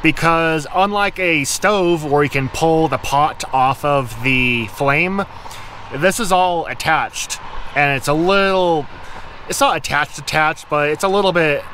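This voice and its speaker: A man casually narrating his travel vlog, cooking at his truck camper and then walking around town, in a relaxed, chatty way that often corrects itself mid-sentence. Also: fairly high pitch, slight background noise. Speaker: travel vlogger.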